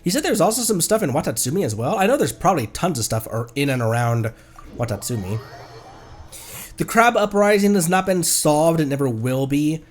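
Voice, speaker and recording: A man's voice: fairly high pitch, very animated, a little fast. A man doing casual live game commentary, rambling and muttering playfully to himself as he streams. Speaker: streamer, VTuber host. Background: game music.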